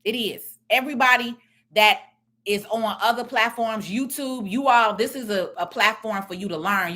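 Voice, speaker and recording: Loud, confident woman with a bright voice. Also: mid-range voice. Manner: confident, emphatic, plain-spoken. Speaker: tax and business strategist. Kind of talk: blunt social media commentary.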